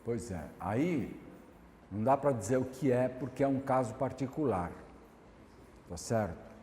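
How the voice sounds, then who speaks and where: A Brazilian pastor answers questions from a class in a calm, measured way, circling back to the same point and checking that he is understood. His voice is warm and mellow. The sound rings through a large hall with a faint hiss behind it. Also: medium pitch. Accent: Brazilian Portuguese. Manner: measured, repeats points, asks "tá certo?". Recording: echoey hall, light background hiss.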